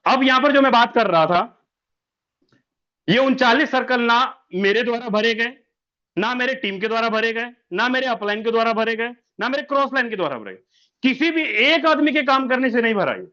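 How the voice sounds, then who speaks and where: Over lo-fi, dull audio, a man with a high, bright, expressive voice gives a fairly quick sales pitch in an online meeting. The business presenter repeats his figures, asks rhetorical questions, and addresses listeners as sir constantly.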